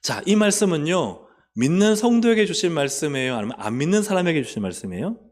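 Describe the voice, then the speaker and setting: Lively Korean pastor preaching a sermon. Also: male voice, fast talker. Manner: animated, asks the congregation questions and answers them himself; swings from loud urging to soft, low asides. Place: church sanctuary.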